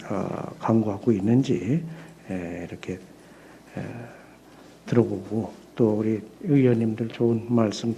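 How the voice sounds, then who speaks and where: A man delivers formal opening remarks in a seminar hall, his voice mellow and soft-edged. He speaks in a measured way and fills pauses with hesitant sounds as he goes. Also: on the low side, a little hiss or hum. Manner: measured, frequent hesitation fillers.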